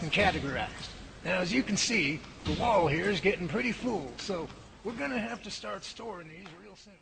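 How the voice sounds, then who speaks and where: An actor playing a research lab leader guiding a new team member around, explaining steadily. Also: male voice, sits high, vocal fry. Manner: steady, explanatory tour guide. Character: Bigfoot lab head giving a tour. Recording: noisy home-made audio drama.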